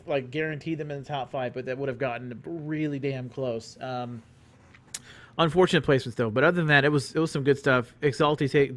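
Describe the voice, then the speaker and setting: A man's voice: medium pitch, fairly bright tone. A man hosting an esports stream, reading results and chatting in a rambling, joking way with many restarts. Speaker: esports caster. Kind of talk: casual esports commentary.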